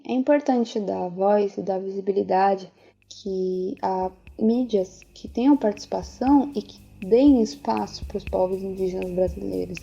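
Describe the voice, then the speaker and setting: Dark, husky, creaky Brazilian woman, muffled. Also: medium pitch, unhurried, soft background music. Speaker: interviewee. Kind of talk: reflective interview talk. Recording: muffled lo-fi audio.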